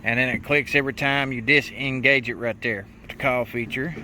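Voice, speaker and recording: A man's voice: mid-range voice, fairly even intonation, moderate pace, sharp tone, a little hiss or hum. A man giving a casual hands-on gadget review in a folksy, plainspoken way with colloquial grammar. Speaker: product reviewer, mechanic.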